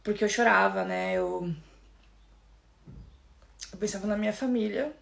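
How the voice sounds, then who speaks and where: A woman from Brazil with a Brazilian Portuguese accent tells her own story to camera. She speaks softly and haltingly, often restarting and turning to her listeners. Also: medium pitch, gravelly.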